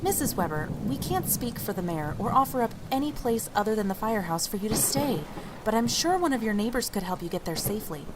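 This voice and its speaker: A woman's voice: medium pitch, sing-song, lightly acted. Polite, diplomatic young woman amid storm noise, acted. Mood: polite, firm. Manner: polite, measured. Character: diplomatic, conciliatory young woman smoothing over disputes. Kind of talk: audio drama acting.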